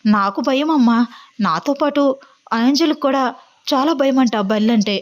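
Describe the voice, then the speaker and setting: A woman voicing a young woman who plans a prank, talking in a brisk, insistent way. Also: high-pitched, voice pushed up, natural voice. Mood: eager.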